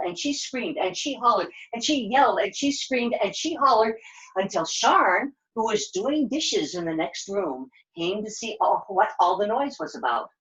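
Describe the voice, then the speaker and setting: A woman puppeteer telling a children's story live, with dramatic emphasis and deliberate repetition. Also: medium pitch, low-quality recording.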